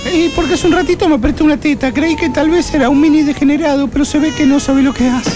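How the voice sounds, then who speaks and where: A woman's voice: high voice, fairly even intonation, fast talker, natural voice. A woman playing a fretful, protective young first-time mother in a comic radio play, full of sighing interjections. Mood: worried. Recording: music behind the voice.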